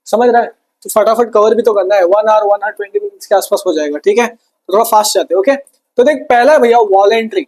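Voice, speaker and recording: A man's voice: sits high, a little fast, darkish tone, rough recording. A young man teaching an exam-prep science lesson, chatty, calling students brother and repeating key terms.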